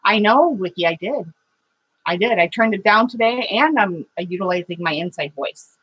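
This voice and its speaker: A middle-aged woman hosting a live watercolor painting stream, chatting with viewers between steps in a loud, halting way full of fillers. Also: medium pitch, animated, slightly rough, muffled recording. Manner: loud voice by her own account, halting with fillers and restarts. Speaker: watercolor livestream host.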